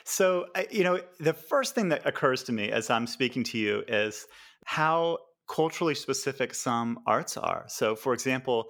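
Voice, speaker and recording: An American man hosts a relaxed podcast conversation. He is friendly, laughs easily and sometimes stumbles over his words with fillers. His voice sits at an ordinary middle pitch. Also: moderate pace. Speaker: podcast host. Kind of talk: casual interview chat.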